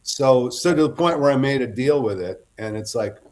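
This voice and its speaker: A man's voice: medium pitch, animated, moderate pace, a little mellow. A middle-aged man, a guest author, telling long rambling anecdotes in a casual interview and often breaking off to restart.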